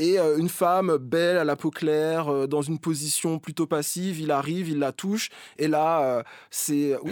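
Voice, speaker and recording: A man's fairly high-pitched voice, a plain, everyday voice, with fairly even intonation, very even loudness and a fairly slow pace, in a very clean recording with a silent background and a dry, close sound with no echo. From Martinique. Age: 30s. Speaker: podcast co-host. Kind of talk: casual chat.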